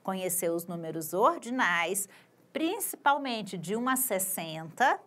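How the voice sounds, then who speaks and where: Slow, patient woman teacher. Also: medium pitch, very animated, fairly bright tone. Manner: patient, repeats phrases slowly and clearly. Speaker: English teacher. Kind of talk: recorded video lesson for adult learners.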